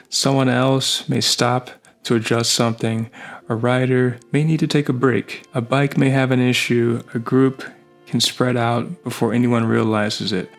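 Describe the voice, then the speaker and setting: Creaky-voiced man reading a scripted review. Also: mid-range voice. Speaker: product reviewer, narrator.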